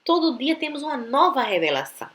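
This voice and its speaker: A woman giving a calm, deliberate reading of a spiritual text, with long pauses between phrases. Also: high voice. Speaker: reader of spiritual teachings.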